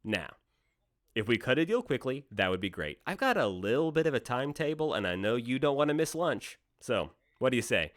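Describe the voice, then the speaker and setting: A man's voice: mid-range voice, big pitch swings, fairly quick, close to an everyday voice. An actor playing the Devil in a radio play as a slick, teasing, cynical deal-maker with theatrical salesman patter. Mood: smug, coaxing. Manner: wheedling salesman patter, mock-casual, theatrical swoops.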